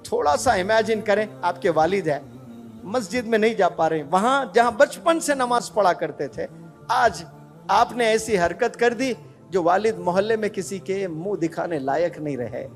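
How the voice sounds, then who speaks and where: A man's voice: high-pitched, expressive, faint music behind. A man preaching an emotional Islamic sermon, impassioned and exhorting, full of rhetorical questions.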